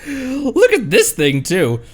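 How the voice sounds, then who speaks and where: A streamer giving casual, excitable live commentary on a game, exclaiming and often repeating phrases. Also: medium pitch, slow, slightly rough. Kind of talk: casual gameplay livestream commentary. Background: video game music.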